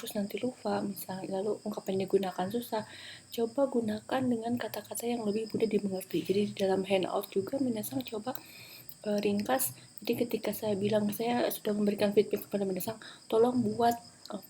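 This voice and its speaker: A woman's voice: medium pitch, mellow, slight background noise. A woman giving an online lecture on presentation skills, explaining step by step with many fillers. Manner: explanatory, many fillers, switches into Japanese example sentences. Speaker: Japanese language lecturer.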